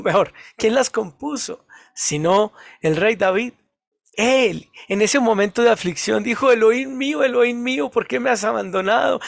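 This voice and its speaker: Animated high-voiced Colombian preacher. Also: male voice, vocal fry, no echo. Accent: Colombian Spanish. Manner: animated, laughs often, repeats phrases. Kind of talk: devotional sermon.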